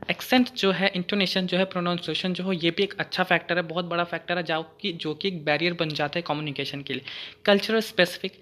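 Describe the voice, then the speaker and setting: A man's voice: fairly high pitch, a bit bright. Man tutoring in a chatty voice. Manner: keeps asking "right?" to check understanding; casual, conversational explaining with everyday examples. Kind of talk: explaining a course lesson.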